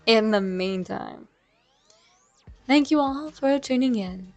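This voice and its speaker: A woman narrating a classic horror story, unhurried and deliberate in her delivery. Her voice sits a little high, and she savors each dark phrase. Faint music hums behind her. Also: lively intonation. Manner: slow, measured and darkly dramatic. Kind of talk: dramatic reading of a classic tale.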